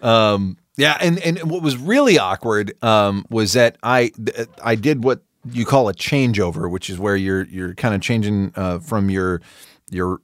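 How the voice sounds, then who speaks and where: A man's voice: on the low side, unhurried, dry recording, studio quality. A man co-hosting a podcast, telling a story in a casual chat, laughing often and acting out other people's lines. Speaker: podcast co-host.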